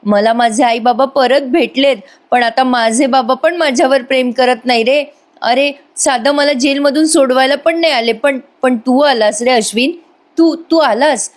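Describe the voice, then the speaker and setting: A woman's voice: high voice, moderate pace, pitched above the performer's own voice, close to an everyday voice. A woman voicing a scheming young woman who pleads tearfully, whining and stammering. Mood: pleading.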